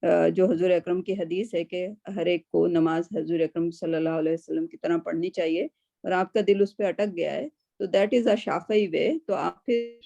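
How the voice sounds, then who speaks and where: A woman's voice: fairly low pitch, vocal fry, warm tone, no room sound. A woman teaching a Quran class over a video call, explaining patiently and often checking in with her students.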